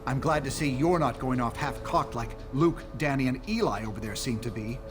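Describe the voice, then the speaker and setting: A man's voice: mid-range voice, fairly quick, close to an everyday voice. A man voicing a pragmatic superhero leader in a game cutscene, controlled, matter-of-fact and official. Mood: measured. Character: measured, pragmatic genius male superhero leader. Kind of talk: video game cutscene dialogue. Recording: music behind the voice.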